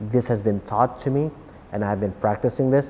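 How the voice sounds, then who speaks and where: A man with a non-native accent and a fairly low voice at a moderate pace. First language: not English. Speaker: self-help coach. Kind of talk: motivational talk.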